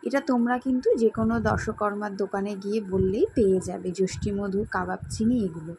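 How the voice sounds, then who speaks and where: Woman, cooking channel host, home remedy tutorial, friendly direct address, clear background noise. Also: mid-range voice, fairly even intonation, brisk, darkish tone, low-quality recording.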